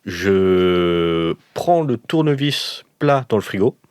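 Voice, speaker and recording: A man's voice: deep voice, big pitch swings, slow, darkish tone, smooth, dry recording, studio quality. A man playfully improvising as a player in an audio role-play, casual in style.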